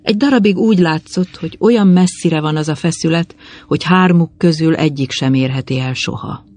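A narrator with a husky voice reading a literary story in a solemn, measured way. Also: mid-range voice, darkish tone. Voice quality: gravelly, husky.

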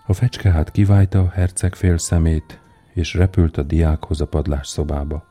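Deep-voiced man reading a fairy tale. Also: steady tone, dark tone. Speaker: narrator.

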